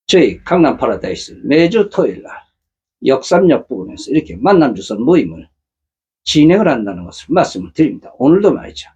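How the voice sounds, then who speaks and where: A man's voice: medium pitch, big pitch swings, brisk, a little mellow, breathy edge. A middle-aged man hosting a matchmaking channel, talking earnestly to viewers and lecturing with rhetorical questions. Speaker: matchmaking agency host. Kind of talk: casual monologue to viewers.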